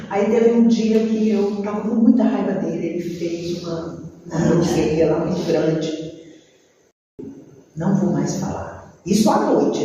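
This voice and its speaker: A woman with a Brazilian accent tells her life story to a gathered group, turning to her listeners again and again. Her voice is mellow and picked up from a distance. It rings through a large echoing hall on a dull, muffled recording. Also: mid-range voice, a little hiss or hum. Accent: Brazilian Portuguese. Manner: lively storytelling, addressing the audience directly. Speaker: speaker sharing a life testimony. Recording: echoey hall, mic far off, dull sound.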